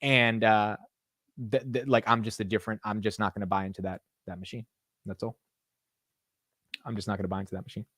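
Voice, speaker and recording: A man's voice: fairly low pitch, brisk, pauses often, no echo, clean studio sound. A young man hosting a casual livestream, talking animatedly and jokingly with his chat viewers. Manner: animated, self-mocking, talks to chat. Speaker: livestream host.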